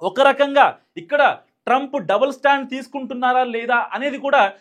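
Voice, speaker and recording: A man with a Telugu accent delivers emphatic, fast-moving political news commentary, often using fillers and restarting. His voice is extremely high-pitched and a bit bright, and the sound is lo-fi.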